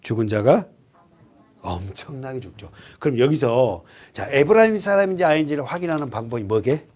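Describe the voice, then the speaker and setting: A male pastor preaching an expository sermon in a church, keeping it lively by quizzing the congregation and dropping to a hushed voice for grim points. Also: medium pitch, a little fast. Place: church sanctuary.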